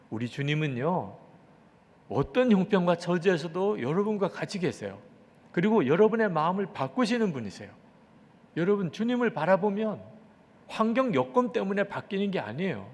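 Korean pastor guy preaching, bit high voice, big church echo, swings from loud crying out to hushed. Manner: storytelling, acting out prayers with sudden loud outbursts and soft drops. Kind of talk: sermon. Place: church sanctuary. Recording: church hall reverb.

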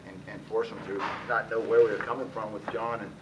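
A man in his sixties, a head football coach, answering at a post-game press conference, talking quickly with many restarts and repeated words. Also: on the low side, little pitch movement, lo-fi sound. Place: press room with sponsor backdrop. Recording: distant mic, noisy press room.

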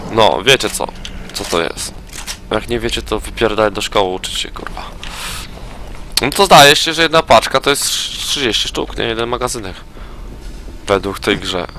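A man's voice: lowish voice, sharp tone, a little hiss or hum. A drunk man rambling and swearing as he comments on a zombie game he is playing. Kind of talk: profane let's play commentary.

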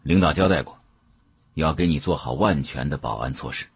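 A man voicing a stolid, cautious male security officer in an audiobook, measured and businesslike. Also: a bass voice, husky, lo-fi sound, pitched below the performer's own voice, heavily acted. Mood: wary.

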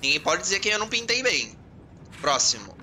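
A man with a Brazilian Portuguese accent giving casual let's-play commentary, excitable and joking, swearing and talking to himself as he plays. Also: sits high, brisk, a little hiss or hum. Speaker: gaming channel host.

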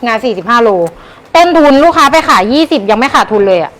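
A Thai woman live seller giving a casual promotional pitch in short punchy phrases to customers. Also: animated, fast talker, a bit bright. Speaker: live-stream seller of secondhand clothing bales.

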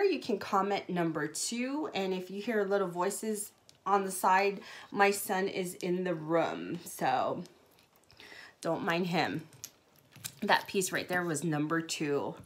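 A woman in her thirties from Hawaii, chatting through a live jewelry sales show with many ums, recorded on a phone in a small indoor room. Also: fairly low pitch. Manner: chatty, many ums, upbeat product talk. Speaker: jewelry seller.

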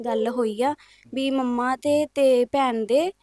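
A woman's voice: sits high, steady tone, takes it slowly, a little mellow, no echo, clean studio sound. A woman steadily recounting events to a reporter. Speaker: interviewee, daughter.

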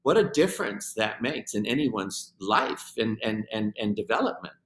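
A man's voice: lowish voice, very animated, moderate pace, roomy sound. A man in his sixties from Argentina, answering interview questions thoughtfully with many hesitations over a webcam call. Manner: reflective, hesitant with many fillers. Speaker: guest, film teacher. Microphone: webcam on video call.

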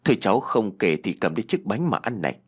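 A man voicing a kindly peasant villager who gently coaxes a grieving child. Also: fairly low pitch, big pitch swings, quick pace, breathy edge. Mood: coaxing. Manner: coaxing.

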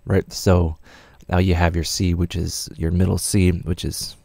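A man's voice: low voice, flat delivery, measured pace, gravelly, dark tone, dry recording. A man giving a casual, offhand tutorial as a music production tutor, in a loosely explanatory, self-deprecating way. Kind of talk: casual software tutorial narration.

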